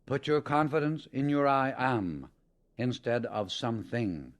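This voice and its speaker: A man narrating a scripted spiritual audiobook in a measured, emphatic, instructional manner. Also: medium pitch, very animated.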